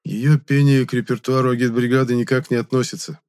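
A man voicing a sharp-tongued young male hero who talks bluntly and scolds. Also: mid-range voice, fairly even intonation, a little fast, smooth, pitched above the performer's own voice, natural voice. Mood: wry.

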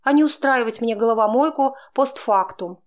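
A woman reader voicing a young woman who bristles and argues heatedly with her partner, in a much higher voice than her own. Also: natural voice. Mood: indignant. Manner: indignant, quick to flare up.

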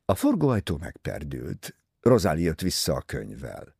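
Deep, gravelly, expressive male narrator. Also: no room sound, clean studio sound. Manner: expressive, dramatic. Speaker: audiobook narrator. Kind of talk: scripted narration.

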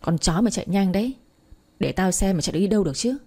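A woman's voice: mid-range voice, expressive, fast, mellow, slightly rough. A woman voicing a furious, jealous wife who screams abuse at her rival. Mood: enraged.

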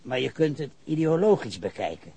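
A man's voice: medium pitch, big pitch swings, brisk, gravelly, dark tone, husky, dry recording, heavily acted. An actor playing an evasive, argumentative, pedantic male witness with leftist ideals in a radio drama. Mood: earnest, argumentative.

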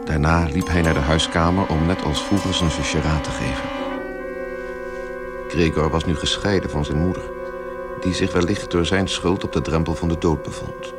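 An actor as the grave storyteller, giving measured literary narration in a radio play. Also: male voice, very deep voice, fairly even intonation. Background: music.

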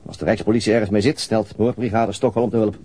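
An actor playing a weary, matter-of-fact police detective in a naturalistic radio drama, laconic and dryly explanatory. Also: male voice, lowish voice, steady tone, fast, dark tone, breathy edge.

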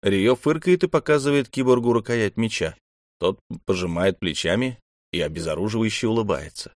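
A male narrator reads a first-person story in a low, calm, measured voice. The recording is dry and close, with no room sound. He keeps an even pace through both the narration and his own character's lines. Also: no room sound. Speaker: audiobook narrator.

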